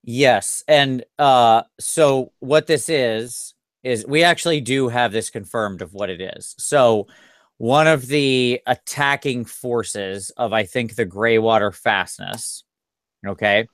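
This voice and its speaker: A man hosting a casual tabletop gaming podcast, tired after a long day and talking in an animated, self-deprecating ramble. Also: mid-range voice, slow pace, dry recording, clean studio sound. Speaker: podcast host. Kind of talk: casual chat.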